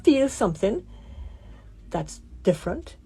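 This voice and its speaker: A woman physician giving a radio interview, with a croaky voice from a damaged vocal cord nerve, explaining things calmly with many pauses. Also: medium pitch, a little hiss or hum. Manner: calm, explanatory, pauses often.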